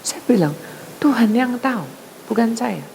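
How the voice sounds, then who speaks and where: A woman pastor, preaching a sermon as she tells a story and acts out its voices with big swings in pitch and loudness. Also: expressive, measured pace, vocal fry, slight background noise, poor audio.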